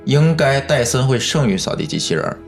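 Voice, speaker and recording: Male, Beijing accent, conversational explainer, animated intonation, music underneath. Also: mid-range voice, brisk, vocal fry. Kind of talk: casual chat, explaining at length. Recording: music bed behind the talk.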